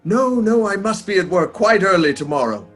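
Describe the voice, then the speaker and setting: An old miser turned generous uncle, with a fairly high voice for a man. He is exclamatory and theatrical, in radio-play style, over light music. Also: animated, normal speed. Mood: joyful, humble. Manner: exclamatory, chuckling, repeats himself for emphasis.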